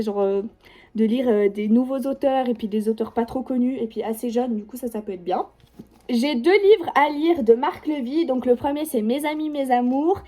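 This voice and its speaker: A book vlogger around eighteen, with a Swiss French accent, chats in a loose, rambling way about the books waiting to be read, sitting at home by her shelves. Her voice is on the high side with a dark tone, and fillers such as "genre" and "du coup" crop up constantly.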